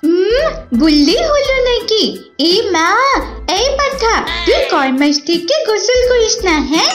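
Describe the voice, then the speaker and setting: A very high-pitched, bratty fox cub girl for a cartoon. She is haughty, whiny and scornful, heard in an echoey space with some music behind. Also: big pitch swings, measured pace, heavily acted. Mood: scornful, disgusted. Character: cheeky, arrogant young girl fox cub. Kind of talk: cartoon voice acting. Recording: roomy echo with music.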